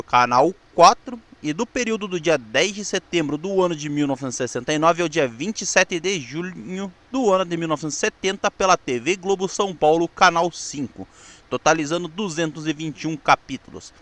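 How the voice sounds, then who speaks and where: A Brazilian man with a notably high voice narrates as a channel presenter. His delivery is explanatory and partly scripted. He stumbles over a word now and then. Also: fairly bright tone. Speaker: presenter of a weekly history channel. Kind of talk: semi-scripted narration of TV history.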